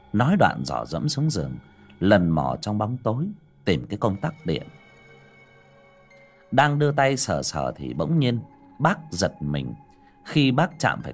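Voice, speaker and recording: A man's voice: on the low side, gravelly, breathy edge. A man narrating a ghost story with dramatic, swooping delivery.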